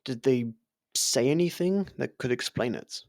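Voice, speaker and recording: A man's voice: medium pitch, expressive, measured pace, dry recording, clean studio sound. A man playing a devoted, worried royal servant in an intimate fantasy roleplay, speaking formally and earnestly with careful deference. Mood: curious, deferential.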